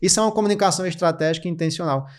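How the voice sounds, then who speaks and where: A Brazilian man in his thirties, a podcast guest, explaining career habits in quick, clipped lists with lots of energy. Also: a little high. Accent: Brazilian Portuguese. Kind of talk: didactic interview talk.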